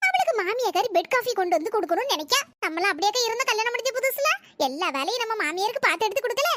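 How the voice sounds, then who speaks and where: A woman's voice: very high voice, animated, racing, heavy background noise. A woman voicing a scheming neighbor who spreads gossip, in a cartoon comedy. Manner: breathless storytelling gossip.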